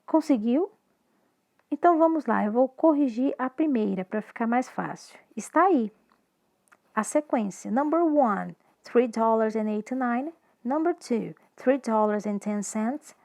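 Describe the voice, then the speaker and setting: In this recorded lesson, an English teacher with a Brazilian Portuguese accent alternates between English and Portuguese, speaking slowly and clearly. Her pitch is fairly high, her tone darkish, and her intonation lively.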